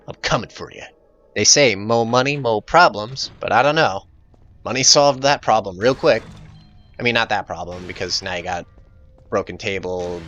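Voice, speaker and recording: A man with a medium-pitched, bright and forceful voice hosts a video game playthrough. He commentates casually, with a wry, jokey, informal manner. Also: lo-fi sound. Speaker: video game let's play host.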